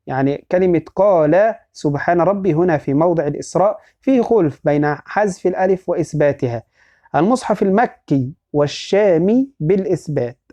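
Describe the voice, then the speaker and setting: A man teaching a recorded religious lesson, explaining patiently, repeating phrases and quizzing listeners, and slowly chanting verse and poem lines. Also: on the high side, warm tone. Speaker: teacher of Quran orthography. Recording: dull lo-fi audio.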